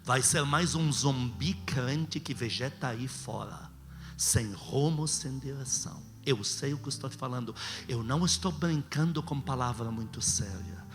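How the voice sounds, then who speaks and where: In a sermon with call and response, a pastor with a Brazilian accent preaches emphatically, exhorting his congregation and posing rhetorical questions. His voice is mid-range and his pace measured. Long hall reverb and music sit behind him.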